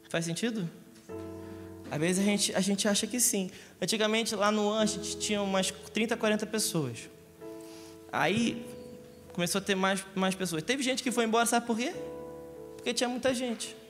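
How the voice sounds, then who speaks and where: In a church hall, a man from Rio de Janeiro, Brazil, preaches a Sunday sermon, joking often and asking the congregation questions. His voice is high for a man, with long church reverb and music playing behind it.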